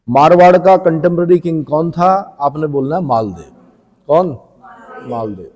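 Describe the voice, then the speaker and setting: A male teacher delivers an exam-prep lecture. He keeps asking questions and answering them himself. His voice is fairly high and mellow, with a long echo from the room. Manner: asks questions and answers them himself, repeats key terms. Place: coaching classroom. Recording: echoey room with long reverb.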